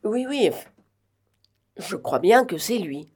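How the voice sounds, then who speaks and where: A woman reading the lines of a hesitant, unsure male prison guard, who speaks haltingly. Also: medium pitch, very animated, a little mellow, slightly rough, pitched above the performer's own voice, exaggerated voice.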